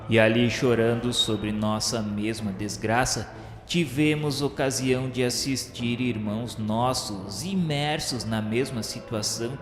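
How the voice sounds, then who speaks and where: A man with a Brazilian accent playing a solemn, sorrowful spirit who narrates a radio novel in grave, declamatory, measured literary diction. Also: mid-range voice. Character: solemn, sorrowful male spirit recounting his afterlife trials. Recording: echoey reverberant voice over music. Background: music.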